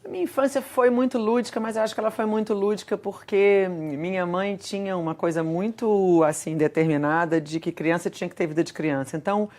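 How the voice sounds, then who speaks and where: A middle-aged woman with a Rio de Janeiro accent, a guest in a TV studio interview, speaking in a reflective, measured way with frequent restarts. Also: medium pitch, steady tone, darkish tone. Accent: Brazilian Portuguese, Rio de Janeiro. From Brazil. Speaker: guest, screenwriter and editor. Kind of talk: interview conversation. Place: television studio.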